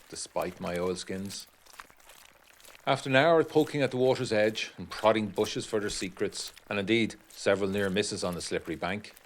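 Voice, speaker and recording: A deep-voiced gentleman of the 1920s, played by a male actor, narrating a gothic audio drama letter. He is formal and measured, with an educated, literary turn of phrase and an undercurrent of unease. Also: natural voice.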